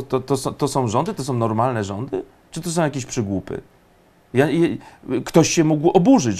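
A man giving indignant, emphatic political commentary, often pausing on fillers. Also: medium pitch, gravelly, darkish tone.

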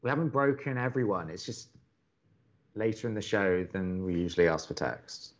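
A man's voice: on the low side, lively intonation, moderate pace, dull audio, natural voice. A man playing a blunt, wry young college radio co-host in a naturalistic audio drama. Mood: wry, upbeat.

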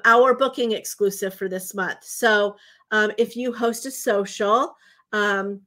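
A woman in her forties hosting a live jewelry shopping show, chatty and enthusiastic with lots of ums, her voice slightly hoarse from a recent bronchitis. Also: medium pitch. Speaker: jewelry livestream host. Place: indoor home studio room.

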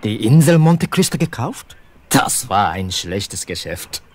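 An actor playing a loyal, shrewd sailor who talks in a gruff, plain-spoken, wry way in a radio play. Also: male voice, lowish voice, very animated, unhurried, no echo.

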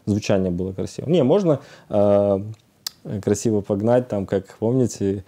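Dark-voiced man, halting talk. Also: fairly low pitch. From Odesa, Ukraine. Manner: halting, searching for words. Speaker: rapper, interview guest. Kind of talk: casual TV interview. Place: TV studio, indoors, seated.

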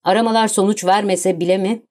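A woman's voice: mid-range voice, steady tone, fast, darkish tone, lightly acted. A woman reading the lines of an anxious, cornered male official in an audiobook. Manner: anxious, strained.

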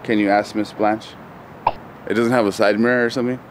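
Off-camera male host, playful and teasing, lowish voice, faint outdoor noise. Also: little pitch movement, a little fast. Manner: teasing, laughs often, reads comments aloud. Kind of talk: casual teasing chat. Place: backyard, outdoors.

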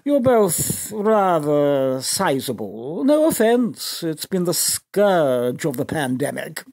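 A man's voice: a little high, big pitch swings, takes it slowly, creaky, a little mellow, exaggerated voice. An actor playing a condescending male shop assistant who talks in a pompous, sneering way in a comedy radio drama. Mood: haughty.

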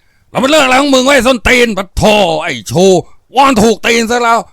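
A man's voice: fairly high pitch, expressive, fast talker, fairly bright tone, no echo, clean studio sound, voice pushed up. A man doing a snarling brutal foreman. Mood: furious. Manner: crude, snarling, threatening. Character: coarse brutal male farm foreman, hot-tempered.

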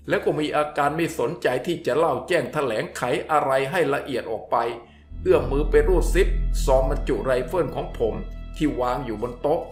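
A man reading a scripted story in a steady, descriptive way, as the storyteller. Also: on the high side.

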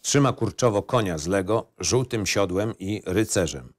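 A man with a fairly low voice narrates a film script. He reads out scenes and stage directions as the narrator of an audio play. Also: lively intonation, normal speed.

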